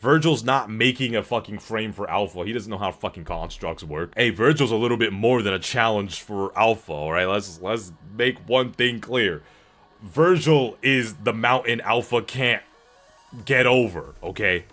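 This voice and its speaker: A man streaming casual reaction commentary to his audience, talking in an excitable, slangy way with plenty of swearing. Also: lowish voice, normal speed. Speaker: streamer reacting to game cutscenes. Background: background music.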